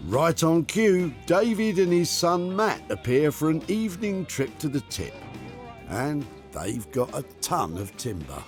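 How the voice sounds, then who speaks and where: Playful lively male TV narrator. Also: fairly high pitch, unhurried, faint music behind. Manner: playful and teasing. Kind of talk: scripted TV narration.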